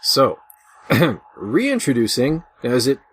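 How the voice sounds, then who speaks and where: A man's voice: mid-range voice, big pitch swings, takes it slowly. A man hosting a podcast in a casual, chatty style. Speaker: podcast host. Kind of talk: casual chat. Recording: slightly noisy online voice chat.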